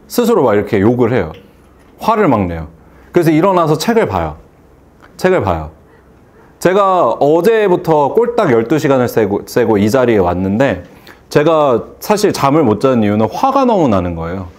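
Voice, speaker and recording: A man's voice: mid-range voice, very animated, moderate pace, a little mellow. A man giving a motivational speech to a seated audience, asking rhetorical questions and acting out phone calls. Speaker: hair salon owner giving a speech.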